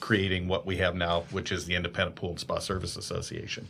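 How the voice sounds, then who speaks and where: A man's very deep, low voice with an American accent at a fairly quick pace, on a very clean recording with a silent background. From US Southwest. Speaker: pool service business owner. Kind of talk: casual podcast interview. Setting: studio.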